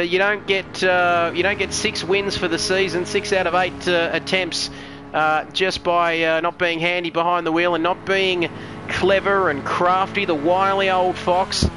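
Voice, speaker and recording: A chatty man calls a racing live stream, cracking jokes and reading out viewer comments. His voice sits high for a man. A steady noisy hiss runs under the recording. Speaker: race commentator.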